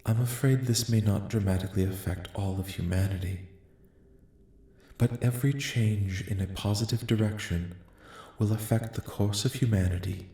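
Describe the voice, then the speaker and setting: A man playing a calm, benevolent alien envoy in a soft-spoken ASMR roleplay, speaking formally and solemnly in a measured, soothing way. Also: on the low side, close to an everyday voice. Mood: reassuring. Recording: echoing, reverberant voice track.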